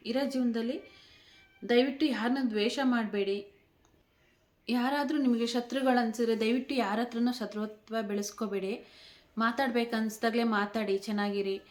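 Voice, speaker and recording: A woman speaking in an emotional tribute vlog, tearful and pleading, repeating herself. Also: fairly high pitch. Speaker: vlogger.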